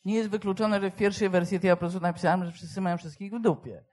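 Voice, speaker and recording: A woman's voice: mid-range voice, steady tone, darkish tone. A woman translator making her case on a discussion panel. Her voice sits in an ordinary middle range, and her remarks are short, firm and to the point. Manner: brisk and decisive. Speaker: literary translator.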